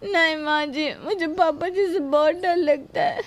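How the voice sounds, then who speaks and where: A woman's voice: high-pitched, steady tone, normal speed, darkish tone. A young woman playing a timid daughter-in-law who pleads anxiously. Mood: pleading. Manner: pleading, fearful.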